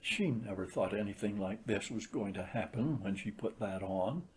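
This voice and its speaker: A man voicing a sympathetic, tender-hearted wife with a soft way of speaking. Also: lowish voice, expressive, normal speed, breathy edge, rough recording. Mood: hushed, pitying.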